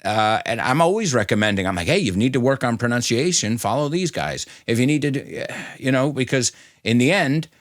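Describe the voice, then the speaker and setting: Middle-aged US-raised man, bilingual guest, animated and chatty, close dry mic. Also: mid-range voice, fairly quick, no room sound. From United States. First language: bilingual English and Spanish. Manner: animated, chatty, laughs often, many fillers. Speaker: ESL educator and podcast host, guest. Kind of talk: casual interview talk.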